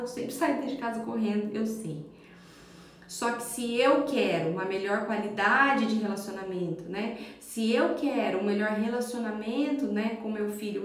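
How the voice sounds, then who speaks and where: A woman in her thirties, a parenting educator, giving a lively instructional talk on a live stream and acting out yelling parents and children. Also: fairly high pitch, heavy reverb.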